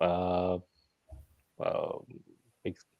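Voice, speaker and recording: A man with a Romanian accent. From Romania, Transylvania. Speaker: portrait photographer. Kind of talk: presentation of own work. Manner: halting, many fillers and restarts.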